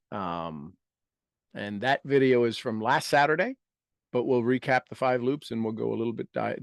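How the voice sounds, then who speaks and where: A man's voice: medium pitch, dry recording, clean studio sound. A man in his fifties hosting a motivational group talk, emphatic and repeating his key phrases. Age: 50s. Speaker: host and coach.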